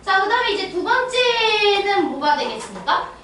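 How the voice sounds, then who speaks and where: A woman's voice: very high voice, sing-song, normal speed, bright, forceful tone. A woman math teacher lecturing exam students, often checking if they follow along. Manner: checks understanding with constant tag questions. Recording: echoey room, distant mic, faint noise.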